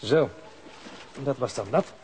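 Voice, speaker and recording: An actor playing a courteous, evasive police official in a radio play, speaking in a measured, officious way. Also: male voice, mid-range voice, noisy background, natural voice. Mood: guarded, officious. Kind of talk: Dutch radio play acting.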